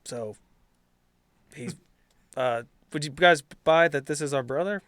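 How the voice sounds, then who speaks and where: A man playing a blunt, weary, world-worn character in a tabletop game, talking in a halting, informal, profane way. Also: on the high side, fairly bright tone, no echo. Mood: weary, explaining.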